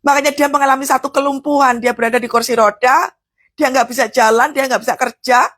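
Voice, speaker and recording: Woman preacher, husky voice, higher pitch, storytelling sermon. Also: fairly even intonation, a little fast, fairly bright tone. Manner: storytelling, often addresses listeners as brothers and sisters. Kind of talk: live devotional sermon.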